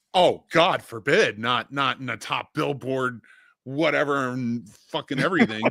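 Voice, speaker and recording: Animated and bright, sharp in tone, a man with a New Jersey accent speaks at a medium pitch. His pace is moderate and his pitch variation ordinary. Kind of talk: casual chat.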